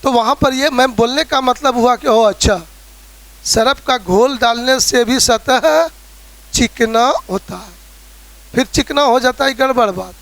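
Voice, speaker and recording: Man, very high-pitched voice, Bihari accent, physics teacher, classroom lecture, explains with everyday examples, checks in with students. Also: measured pace, a bit bright. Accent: Bihari Hindi. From Bihar, India.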